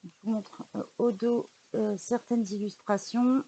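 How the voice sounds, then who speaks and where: A woman's voice: medium pitch, steady tone, unhurried, gravelly, mellow, slightly rough. A woman vlogger in casual chat, showing books she bought, hesitant with frequent fillers and restarts, recorded indoors at home. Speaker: vlogger showing a book haul.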